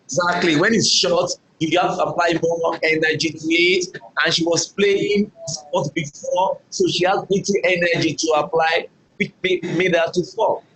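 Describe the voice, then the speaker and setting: A man's voice: on the high side, fairly even intonation, normal speed, fairly bright tone, echoey room, rough recording. Man on glitchy breaking-up call audio. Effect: glitchy video call audio that breaks up. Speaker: course participant. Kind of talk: online class discussion. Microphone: video call.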